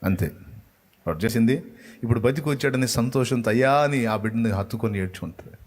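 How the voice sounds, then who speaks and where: A man's voice: mid-range voice, animated, fast talker. A man preaching a sermon, retelling a story with passion, asking the listeners rhetorical questions and repeating key phrases for emphasis.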